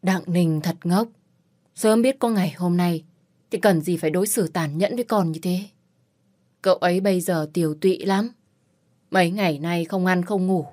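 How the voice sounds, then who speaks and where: A woman voicing an older, kindly household servant who speaks gently and consolingly in an audiobook. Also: lowish voice, moderate pace, no echo, clean studio sound, close to an everyday voice.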